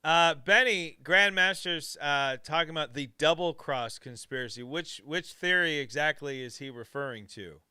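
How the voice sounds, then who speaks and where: A man's voice: a little high, moderate pace, hardly any pauses, sharp tone, smooth, no room sound, clean studio sound. A man hosting a casual live show, introducing guests with upbeat enthusiasm. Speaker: host.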